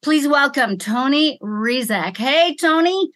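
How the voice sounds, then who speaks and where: Bright, high-voiced theatrical woman host. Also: animated, slow pace. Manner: theatrical, emphatic, repeats phrases for effect. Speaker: podcast host. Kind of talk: interview with a showy introduction.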